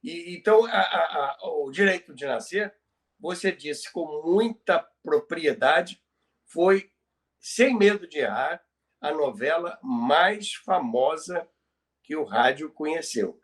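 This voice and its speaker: A man's voice: on the high side, expressive, slow, a bit bright. A man with a Brazilian accent co-hosting a conversational podcast, explaining history emphatically and repeating phrases for emphasis. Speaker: podcast co-host. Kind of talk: conversational radio history commentary.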